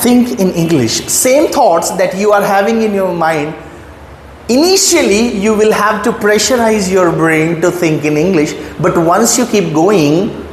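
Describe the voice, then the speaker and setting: Speaking a little slowly but animatedly in a high voice, a man with an Indian accent gives a motivational English lesson, emphatic and full of rhetorical questions that check whether the listener follows. The room is echoey with a long reverb tail, faint ambience, and slight background noise.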